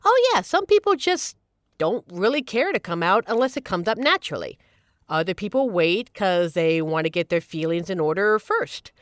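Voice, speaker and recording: A woman's voice: medium pitch, big pitch swings, moderate pace, dry recording, studio quality, natural voice. A woman playing a supportive, playful young queer friend in an audio roleplay, talking casually and earnestly to reassure the listener. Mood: gentle, reassuring.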